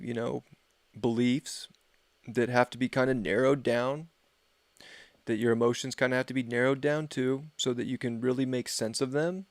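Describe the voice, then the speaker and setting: Losing his voice as he goes, a man rambles through a relaxed astrology forecast on a livestream, leaning heavily on fillers. His medium-pitched voice is a little mellow, with no echo in the sound.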